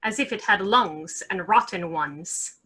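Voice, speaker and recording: A woman voices a scheming lord in a Shakespeare radio play, mocking and sharp-tongued, with a dry, sarcastic delivery. Her pitch is medium and her pace unhurried, with a breathy edge to the sound.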